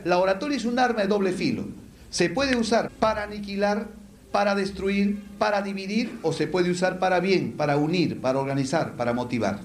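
A man's voice: on the high side, a little hiss or hum. A man teaching public speaking to a live audience, asking rhetorical questions and answering them with lists. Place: lecture hall with an audience. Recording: echoey room.

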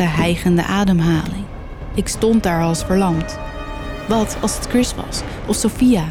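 A woman narrating a horror story in a steady, measured way. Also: fairly low pitch.

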